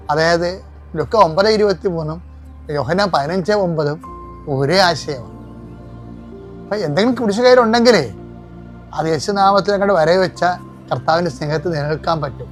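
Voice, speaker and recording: Man, preacher, sermon, teaching tone, asks listeners if they follow, pitched a bit high, faint music behind. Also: brisk. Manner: teaching, with rhetorical check-ins to listeners.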